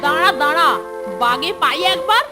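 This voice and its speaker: A woman's voice: high voice, animated, normal speed. A woman voicing a young schoolboy sidekick in a children's cartoon, childlike, exclamatory and a bit grumbly. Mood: aggrieved. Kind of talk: Bengali children's cartoon dubbing. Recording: music behind the voice.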